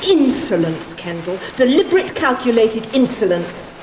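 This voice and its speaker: High-voiced stern British teacher, very echoey. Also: female voice, very animated, moderate pace. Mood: stern exasperation. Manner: strict, clipped, scolding. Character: stern, exasperated female schoolteacher demanding respect. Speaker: actor in a school drama series. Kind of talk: television drama acting. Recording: echoey hard space with rain noise.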